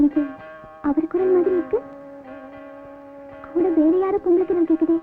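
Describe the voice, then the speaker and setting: A woman's voice: very high voice, steady tone, moderate pace. An actress playing an anxious, devoted young village woman in love, speaking in a pleading, emotional way in an old film drama. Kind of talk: 1990s film drama dialogue. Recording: tinny old film soundtrack with music.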